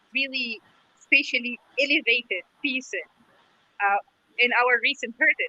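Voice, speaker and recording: Moderate-paced speech with a Sudanese accent. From Egypt, Nubian, raised in Cairo. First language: Nubian. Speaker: panelist. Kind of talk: casual chat.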